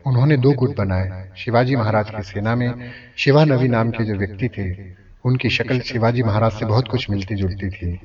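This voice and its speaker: A man's voice: lowish voice, moderate pace, a little mellow. A man narrating a scripted historical story in a formal, dramatic manner. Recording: distant, dull lo-fi, crowd noise behind.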